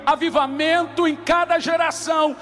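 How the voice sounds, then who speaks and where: Brazilian male preacher, very high-pitched, impassioned emphatic sermon delivery, repetitive phrasing, music behind the voice. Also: steady tone, normal speed. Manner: emphatic, declamatory, repeats phrases, often shouting. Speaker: preacher, pastor.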